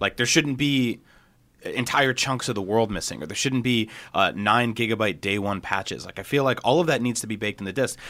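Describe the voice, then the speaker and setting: On a very clean recording with a silent background, a man talks fairly quickly in a bright, sharp tone with ordinary pitch variation. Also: medium pitch for a man. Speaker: video game journalist. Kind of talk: casual chat.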